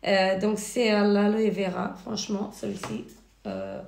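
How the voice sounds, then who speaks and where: A woman with a cold and a hoarse voice, hesitantly reviewing finished beauty products in a casual vlog. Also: medium pitch, big pitch swings, a little slow, a little mellow, slight background noise. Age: married adult. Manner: hesitant, many fillers and restarts. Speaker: beauty vlogger. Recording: echoey room.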